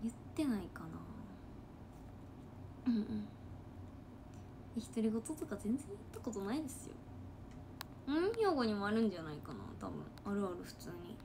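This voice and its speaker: Long pauses and big pitch swings mark this woman's medium-pitched voice as she chats at a moderate pace. She's an idol trainee with a Kansai accent on a late-night livestream, sleepily reading comments in a giggly, rambling way over background noise.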